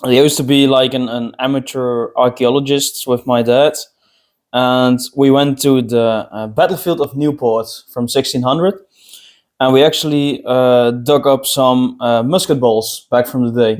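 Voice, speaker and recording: A man from Belgium whose first language is Dutch, co-hosting a casual podcast chat in an unhurried way. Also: mid-range voice, steady tone, a little mellow. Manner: slow and unhurried, laughs often. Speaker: podcast co-host.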